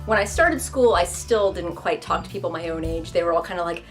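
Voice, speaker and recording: A young woman vlogger talking casually to the camera, chatty and self-deprecating, breaking into quick voiced asides. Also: on the low side, animated, soft background music.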